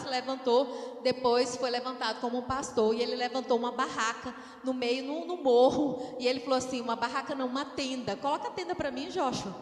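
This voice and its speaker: A woman with a Brazilian accent preaching a sermon, animated and calling on the congregation to respond. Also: sits high. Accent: Brazilian Portuguese. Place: church hall. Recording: echoey church hall with long reverb.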